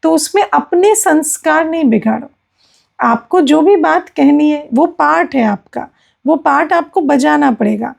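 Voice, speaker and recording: High, gravelly woman giving a spiritual talk. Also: lively intonation, a little slow. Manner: explanatory, often asking "है ना?". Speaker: spiritual teacher. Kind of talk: spiritual discourse.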